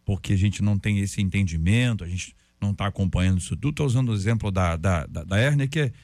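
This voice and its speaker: A man's voice: fairly low pitch, quick pace, a little mellow, no echo. A man hosting a casual church talk, joking and conversational. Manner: joking, conversational, self-deprecating.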